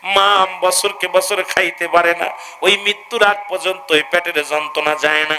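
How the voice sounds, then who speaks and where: A man preaching a sermon, impassioned and shouting for the crowd to answer back. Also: sits high, steady tone, normal speed. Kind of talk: Islamic waz sermon. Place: sermon gathering with an audience. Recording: loud noisy crowd ambience.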